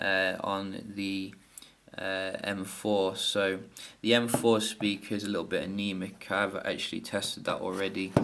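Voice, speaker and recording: A man speaks at a fairly slow pace. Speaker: tech reviewer. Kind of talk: casual product review to camera. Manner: hesitant, many filler sounds.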